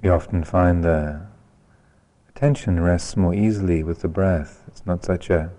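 A man teaching a guided meditation in a calm, gentle, unhurried way, leaving long pauses between phrases. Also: low-pitched.

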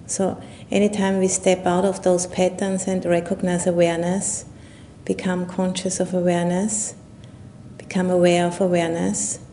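A woman leading a guided meditation as a Buddhist teacher, speaking in unhurried, halting phrases with long pauses. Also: flat delivery, warm tone. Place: retreat session at a monastery or retreat center. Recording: low rumbling background noise.

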